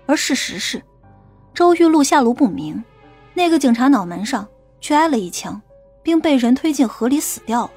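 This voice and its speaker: A woman playing a stern, sharp-tongued female police captain in an audiobook, questioning a suspect in a cold, accusing manner. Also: sits high, big pitch swings, moderate pace, husky, exaggerated voice. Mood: stern, official. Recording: faint music bed under the voice.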